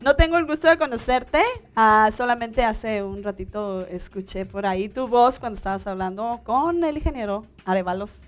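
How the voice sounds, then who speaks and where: A woman in her thirties from Mexico hosting a studio interview, chatty and quick to laugh. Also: fairly high pitch, clean tone. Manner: laughs often, warm and chatty. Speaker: talk show host. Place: small TV studio.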